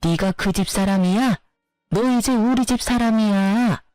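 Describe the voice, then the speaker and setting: Brief: woman putting on a lower, gruff old mother-in-law, contemptuous and bossy, storybook read-aloud, dry sound, faint music under. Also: a little slow, dry recording, close to an everyday voice. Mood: scornful. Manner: sneering, insulting, shouting. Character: harsh scolding older Korean mother-in-law.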